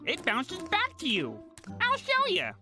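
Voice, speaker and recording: Excitable little cartoon animal, high and wildly varied, emphatic know-it-all, music underneath. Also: measured pace, exaggerated voice. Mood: explaining. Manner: emphatic, instructive. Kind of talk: children's cartoon acting. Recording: prominent children's music behind voice.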